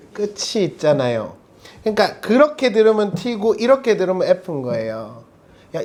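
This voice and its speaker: Lively, conversational male preacher. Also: high-pitched. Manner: conversational, jokey, acts out quoted lines. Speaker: pastor. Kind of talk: sermon.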